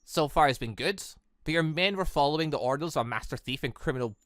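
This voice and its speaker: A man's voice: on the high side, expressive, fast talker, fairly bright tone, no echo. A man reading the visual novel lines of a menacing, contemptuous young male terrorist leader, terse and haughty. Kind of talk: reading visual novel game dialogue in character.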